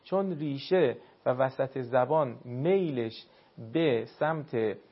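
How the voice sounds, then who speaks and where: A man teaching the pronunciation of Arabic letters for recitation, explaining patiently and slowing down to demonstrate each sound. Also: medium pitch, breathy edge. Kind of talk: spoken pronunciation lesson. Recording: dull lo-fi sound.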